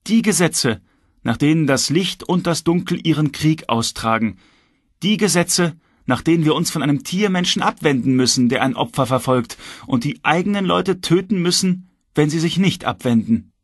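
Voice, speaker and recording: Husky man narrating an audiobook. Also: a little high, lively intonation, moderate pace, dry recording, clean studio sound. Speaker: audiobook reader. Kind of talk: scripted first-person narration.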